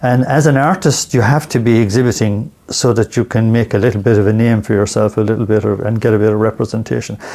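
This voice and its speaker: Speaking with a Limerick accent, a man races along at a very fast pace with very even loudness and hardly any pauses. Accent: Limerick Irish. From Ireland, Limerick City. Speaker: artist and author. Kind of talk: interview. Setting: artist's studio.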